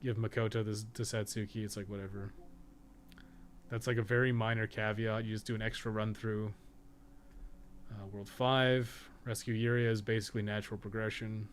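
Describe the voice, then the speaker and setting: A man's voice: lowish voice, flat delivery, moderate pace, a little hiss or hum. A man giving casual, rambling livestream game commentary, thinking aloud with some swearing and self-deprecation. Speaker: video game streamer and podcast co-host.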